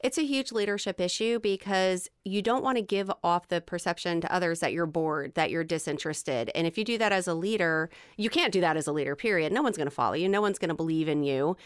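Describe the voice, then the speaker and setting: A woman co-hosting a studio talk show, animated and candid, often laughing. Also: fairly low pitch, fast talker, few pauses, clear, resonant tone, no room sound. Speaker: co-host.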